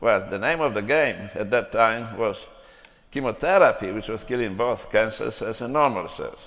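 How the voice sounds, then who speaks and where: A man with a non-native accent speaks at a moderate pace amid audible room echo. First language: Polish. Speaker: doctor and cancer researcher. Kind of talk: conference talk. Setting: stage with audience.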